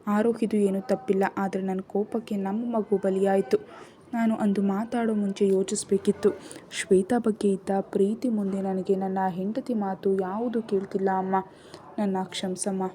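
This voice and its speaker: A woman voicing a grieving, remorseful young husband who speaks softly and pleads for forgiveness. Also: medium pitch, level tone, normal speed, slight background noise, lightly acted. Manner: soft, broken, pleading apologies.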